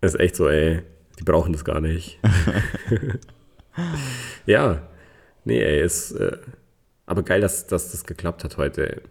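A man's voice: low-pitched, takes it slowly, gravelly, long pauses, breathy edge. A man co-hosting a casual podcast from abroad on a borrowed microphone, talking hesitantly with many fillers and chuckles. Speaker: podcast co-host. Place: remote recording from abroad.

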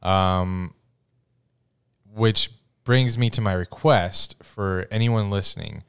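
A man's voice: sits low, slow, gravelly, clear, resonant tone. A young adult man co-hosting a podcast in casual, informal chat, explaining things to listeners as he goes. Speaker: podcast co-host.

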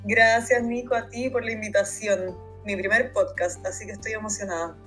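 A woman's voice: mid-range voice, steady tone, moderate pace, fairly bright tone, faint music behind. A woman in her twenties with a Chilean accent, talking casually about herself as a guest on a podcast. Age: 20s. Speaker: podcast guest, speech therapist. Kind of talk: casual personal storytelling in an interview.

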